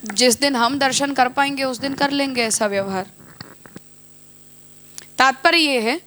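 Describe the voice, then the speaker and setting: A woman teaching in a measured, explanatory devotional discourse, often mixing English terms into her talk. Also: sits high, bright, forceful tone, a little hiss or hum. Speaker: religious teacher.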